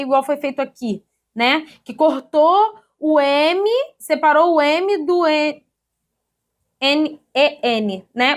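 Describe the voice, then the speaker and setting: High-voiced Brazilian woman teaching. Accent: Brazilian Portuguese. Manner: lively, chatty, addresses students as "gente", ends points with "tá?". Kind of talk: online grammar lesson.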